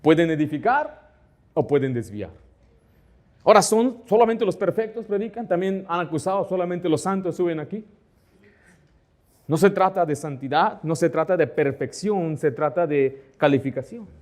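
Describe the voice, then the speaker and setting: High-voiced man preaching a sermon. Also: animated, moderate pace, a little mellow. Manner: preaching with rhetorical questions and quoted dialogue. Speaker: pastor. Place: church.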